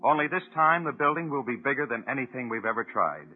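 An actor playing a resolute young American soldier in a 1940s radio drama, speaking in a punchy, rhetorical, defiant manner. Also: male voice, mid-range voice, animated, fast talker, husky. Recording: tinny, narrow-band vintage 1940s radio broadcast.

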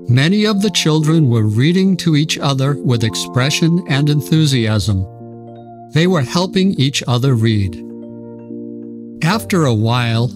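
A man reading a children's story aloud in a calm, measured way. His pace is very slow and steady, in a middle-pitched voice. Gentle music plays behind him. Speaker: narrator.

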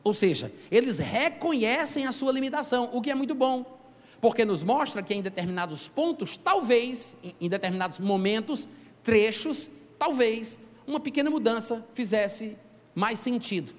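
Man, pastor, animated emphatic sermon, high voice, long hall reverb. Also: moderate pace. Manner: animated, emphatic preaching with calls to the congregation.

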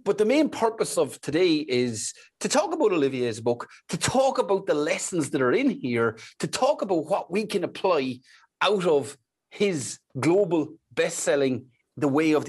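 Irish male podcast host, husky and lively. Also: on the high side. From Ireland. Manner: enthusiastic, many "um" fillers, repeats phrases for emphasis. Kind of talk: podcast interview.

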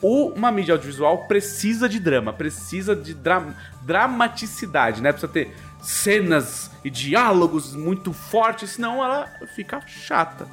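A lively Brazilian man chatting on a podcast, his pitch swinging widely as he tells a story. His voice sits a bit high for a man. Faint music plays under the talk. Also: measured pace, hardly any pauses. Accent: Brazilian Portuguese. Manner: animated storytelling, quoting others in raised voice; slangy, frequent fillers. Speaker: podcast co-host. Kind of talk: casual chat.

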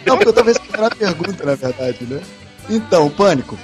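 A man's voice: sits high, lively intonation, fast, faint music behind. A man with a Mineiro Brazilian accent, swearing and laughing as he tells stories in a casual podcast chat. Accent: Mineiro Brazilian Portuguese. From Minas Gerais, Brazil. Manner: laughing, profane storyteller. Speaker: podcast guest and video dubber.

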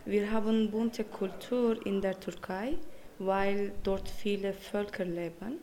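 Young female language learner, Turkish accent, deliberate and slow prepared read, medium pitch. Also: fairly even intonation, warm tone. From Turkey. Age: young adult. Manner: careful, deliberate learner speech.

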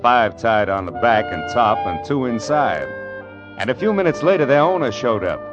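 An actor playing a wry, determined gold seeker who narrates and acts in an old radio Western. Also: male voice, mid-range voice, very animated, moderate pace, close to an everyday voice. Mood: easygoing, curious. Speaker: narrator and lead character. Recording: dull old radio recording with music.

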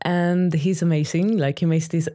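A woman's voice: fairly low pitch, fairly even intonation, moderate pace, mellow. A young woman from Sweden, a native Swedish speaker with a Swedish accent, chatting enthusiastically in an interview with frequent laughs and restarts. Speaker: singer and podcast host, interviewee. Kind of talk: casual interview answers.

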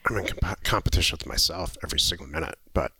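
A man co-hosting a podcast in casual chat, brisk, blunt and self-assured. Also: low-pitched, sharp tone, slightly rough. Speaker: podcast co-host.

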